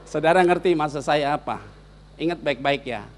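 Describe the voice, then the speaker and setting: A man with a high-pitched voice preaches a sermon as if chatting with friends, full of street slang. He tells stories by acting out every voice in the dialogue himself. His delivery drops to quiet asides, then jumps to loud, excited bursts. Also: normal speed, slight background noise. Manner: acts out both sides of dialogues. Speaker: pastor.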